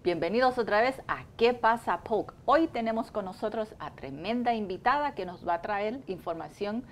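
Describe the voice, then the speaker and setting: A woman's voice: mid-range voice, animated, moderate pace, a little hiss or hum. A middle-aged woman hosting a community TV program, chatty with casual Spanglish, on a lapel mic in a studio. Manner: chatty, warm-toned studio host, uses Spanglish. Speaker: TV show host. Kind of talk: community TV news and interview.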